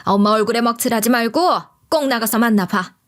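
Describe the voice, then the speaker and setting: A woman's voice: on the high side, brisk, pitched above the performer's own voice, close to an everyday voice. A woman narrator voicing a pushy older mother who insistently nags her grown son with pointed questions. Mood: scolding, exasperated. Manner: scolding, insistent, rhetorical questions.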